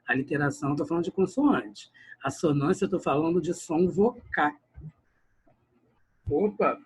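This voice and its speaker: A man's voice: on the high side, moderate pace, husky, poor audio. A male grammar teacher, giving an online lesson and often calling out to his class while he stretches words for emphasis. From Brazil.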